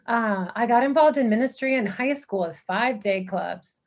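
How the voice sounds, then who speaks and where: A woman's voice: a little high, animated, moderate pace, lo-fi sound. A woman from Texas, a missionary guest, answering interview questions in an easygoing way with frequent fillers. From San Antonio, Texas.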